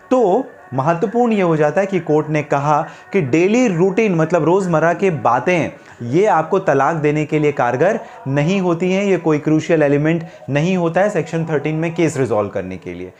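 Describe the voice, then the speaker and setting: A man's voice: a little high, a little mellow. An Indian man hosting a legal advice talk, explaining things didactically to viewers, posing questions and then answering them, with English legal terms mixed in. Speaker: legal advice channel host explaining law.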